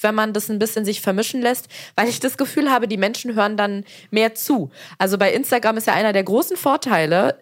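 A woman in her thirties, a presenter and comedian, talking in a chatty, reflective way as a podcast guest. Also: medium pitch. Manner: chatty, reflective, laughs easily. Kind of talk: casual interview talk.

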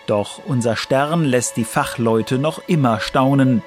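A man's voice: medium pitch, measured pace, faint music behind. A man reading scripted science documentary narration for a radio feature.

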